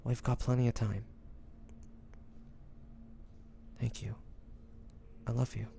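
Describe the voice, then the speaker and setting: A man playing a devoted young lover in an intimate romantic fantasy audio roleplay, speaking softly and haltingly with great affection. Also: medium pitch, little pitch movement, vocal fry, a little hiss or hum, natural voice. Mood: caring, reassuring. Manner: soft, hesitant, affectionate, halting phrases.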